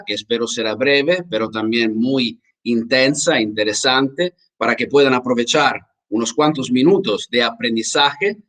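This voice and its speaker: A man teaching a live-streamed language lesson, talking straight to viewers in the chat in an animated way. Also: mid-range voice. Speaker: online English teacher.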